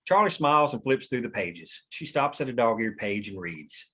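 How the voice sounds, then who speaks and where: A man's voice: mid-range voice, expressive, normal speed, a bit bright, slightly rough. Man reading screenplay stage directions. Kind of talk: scripted screenplay table read narration.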